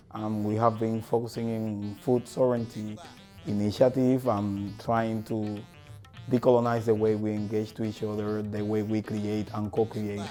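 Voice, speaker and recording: A man's voice: fairly low pitch, mellow. A man with a Cuban accent, speaking earnestly in a documentary interview about food sovereignty. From Cuba.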